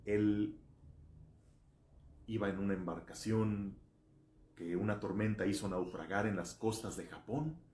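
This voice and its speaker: A man in his thirties with a Mexican accent, a priest giving a motivational religious talk with animated, emphatic storytelling and rhetorical questions. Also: lowish voice, measured pace, long pauses, slight background noise. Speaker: Catholic priest. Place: small indoor room. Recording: echoey room.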